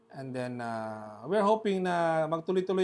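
With a plain, everyday voice, a man speaks at a fairly slow pace. His fairly high pitch carries lively intonation. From Philippines, Pangasinan (Bolinao island). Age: 40s. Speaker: police chief. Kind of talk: interview testimony. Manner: formal, polite with frequent fillers.

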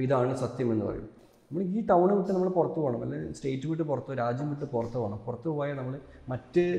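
This man's voice sits at a medium pitch, with lively intonation and audible echo from the room. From Kerala. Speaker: travel vlogger. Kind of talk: interview. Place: home room.

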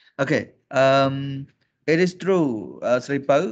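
A man is heard talking with a quiet background behind him. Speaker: English teacher. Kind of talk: online lesson explanation. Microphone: video call.

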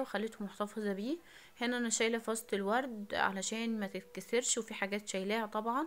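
Fairly high in pitch, a woman speaks in an ordinary speaking voice with fairly even intonation. Her pace is moderate. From Upper Egypt, Minya; Egypt. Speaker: home routine vlogger. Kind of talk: voiceover vlog narration; casual vlog chat. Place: home room. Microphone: phone near.

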